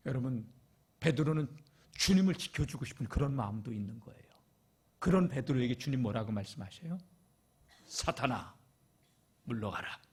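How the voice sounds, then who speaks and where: A man preaching a Sunday sermon in a church. He is animated and addresses the congregation often, swinging between loud stretches and hushed ones. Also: on the high side, slightly rough. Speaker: pastor.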